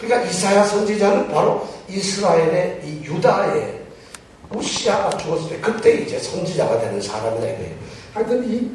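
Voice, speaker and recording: A man's voice: fairly high pitch, a little mellow, slight background noise. A man preaching a Bible teaching sermon in a church, often putting questions to the congregation. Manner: poses rhetorical questions to the congregation. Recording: very echoey church hall, mic far off.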